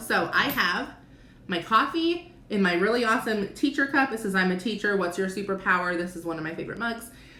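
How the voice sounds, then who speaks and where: Over noticeable background noise and audible room echo, a woman talks at a fairly quick pace with lively intonation. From New Mexico. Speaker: homeschool coach and online content creator. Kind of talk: livestream talk to followers. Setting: live video stream. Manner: fast; chatty.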